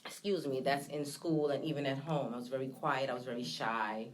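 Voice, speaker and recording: A woman's voice: a bass voice, steady tone, slight background noise. Candid, reflective woman telling her story. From Trinidad, raised in Brooklyn. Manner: candid, reflective, hesitant with many pauses. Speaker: guest, nonprofit founder. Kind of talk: personal testimony in an interview.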